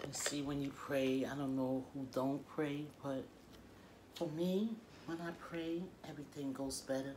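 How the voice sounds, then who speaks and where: Through noticeable background noise, a woman with a very deep, low pitch speaks fairly slowly with ordinary pitch variation. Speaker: food vlogger. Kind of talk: casual vlog chat. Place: home room. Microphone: phone near.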